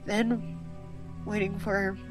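An actress playing a lonely, weary woman stranded in a sci-fi audio drama, speaking haltingly and full of yearning. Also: mid-range voice, flat delivery. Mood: weary, wistful. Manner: halting, hesitant delivery. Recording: music behind the voice.

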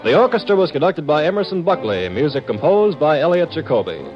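Old timey american radio announcer guy, highish voice, very dramatic and lively, big music behind him. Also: fairly quick, lo-fi sound. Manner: theatrical, emphatic. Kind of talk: 1950s radio announcing, scripted. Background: loud orchestral music.

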